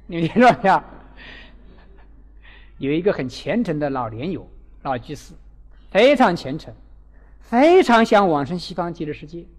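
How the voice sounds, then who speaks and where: Guy with a pretty high voice preaching a buddhist talk, animated storyteller, long echo like a big hall. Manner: animated, acts out quoted characters. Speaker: Buddhist dharma teacher. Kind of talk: storytelling sermon.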